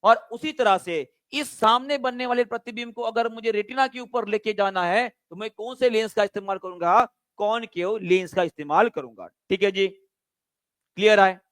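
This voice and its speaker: A man teaching a live online exam-prep class, drilling students repeated questions and quick checks. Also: high-pitched, a bit bright, no room sound, studio quality.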